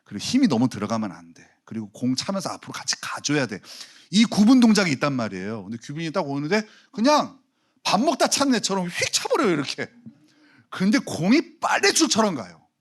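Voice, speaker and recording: A man preaching a Sunday sermon as pastor, animated, swinging from soft asides to loud emphasis. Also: fairly high pitch, brisk. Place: church sanctuary.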